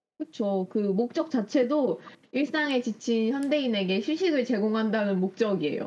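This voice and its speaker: A woman with a fairly high pitch and a dark, mellow tone speaks at a moderate pace with lively intonation and very even loudness. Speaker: co-host or guest on podcast.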